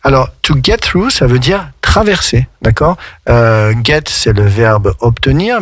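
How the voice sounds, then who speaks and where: A man's voice: medium pitch, a bit bright, breathy edge, no echo, studio quality. A man with a French accent teaching English on the radio, patiently explaining lyrics and spelling words out letter by letter. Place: radio studio.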